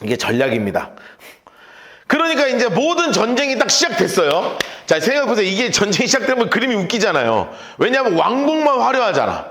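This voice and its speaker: A pastor leading a lively Bible study lecture, acting out scenes and shouting the quotes. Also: male voice, high voice, brisk, echoey room, a little hiss or hum. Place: church hall.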